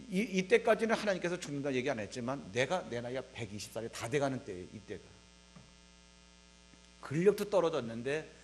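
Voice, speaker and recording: Animated high-voiced male pastor preaching. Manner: conversational, animated, acts out scripture. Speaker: head pastor. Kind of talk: sermon.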